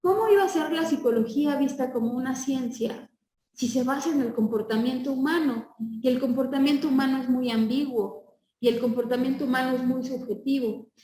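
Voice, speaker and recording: A woman's voice: sits high, fairly quick, dark tone, echoey room, recorded from a distance, rough recording. A woman teaching a class, lecturing and asking her students questions before answering them herself.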